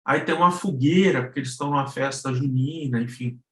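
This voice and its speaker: A Brazilian man giving an informal online lesson, halting as he searches for words. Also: mid-range voice. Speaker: guest lecturer on podcast production. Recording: roomy, echoing live-stream sound.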